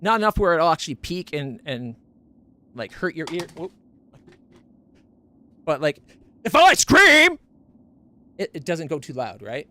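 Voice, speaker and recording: A man with a not-very-deep, sharp-toned voice speaks in a sing-song way at a measured pace with long pauses. He's streaming from home close to a studio condenser mic, chatting loosely about his gear, self-correcting and stumbling over names.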